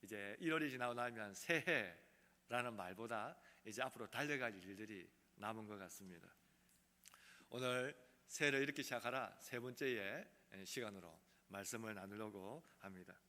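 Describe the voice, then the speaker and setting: A man preaching a sermon as pastor, earnest, swinging from loud emphasis to soft quiet passages. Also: on the low side, normal speed. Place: church sanctuary. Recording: long hall reverb.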